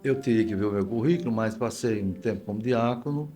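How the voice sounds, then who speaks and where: A man's voice: fairly low pitch, brisk, mellow, faint music behind. An older man with a Northeastern Brazilian accent, a guest pastor telling stories conversationally, repeating phrases and acting out quoted dialogue. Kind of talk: conversational storytelling interview.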